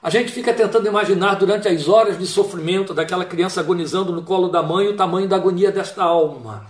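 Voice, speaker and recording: Male preacher, high voice, storytelling sermon with quoted dialogue, echoey room. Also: fast talker. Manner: retells a Bible story with quoted dialogue and reflective asides.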